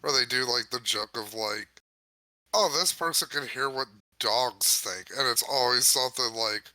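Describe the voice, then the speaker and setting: Guy co-host cracking on stuff, super bright forceful voice, blunt and sweary, close dry sound. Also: mid-range voice, moderate pace, no echo, poor audio. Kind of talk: casual profane comedic commentary.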